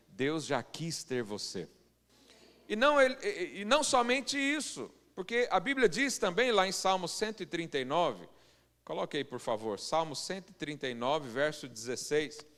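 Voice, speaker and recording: A man from Goiânia with a Brazilian Portuguese accent, preaching a sermon as pastor and slowing into loud, emphatic scripture readings. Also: fairly high pitch, very animated. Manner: swells loud and slow on scripture quotes. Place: church hall. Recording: long church-hall reverb.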